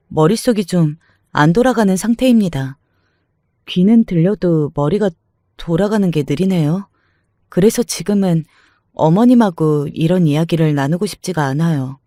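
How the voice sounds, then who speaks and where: A man voicing a calm, cutting young newlywed daughter-in-law who answers politely but sarcastically. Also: high-pitched, no echo, clean studio sound. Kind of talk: dramatized story reading.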